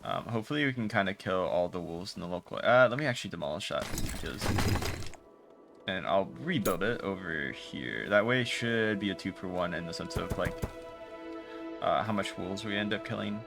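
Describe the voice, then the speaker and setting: A man with a low voice talks casually through the game he is playing, over clearly audible music. He fumbles for words, breaking off and restarting as he thinks out loud. It sounds like an easygoing streamer's running commentary. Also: expressive, brisk. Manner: fumbling for words, trailing off and restarting mid-sentence.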